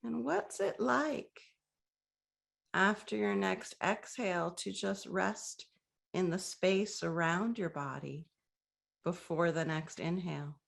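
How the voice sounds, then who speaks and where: A woman leading a guided breathing meditation, speaking softly and gently with long, inviting pauses. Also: fairly low pitch, gravelly.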